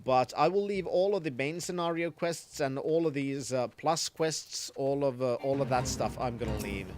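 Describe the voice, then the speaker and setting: A man's voice: medium pitch, normal speed. A man streaming a game, chatting casually and explaining the mechanics as he plays, often restarting his sentences. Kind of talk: casual gaming commentary.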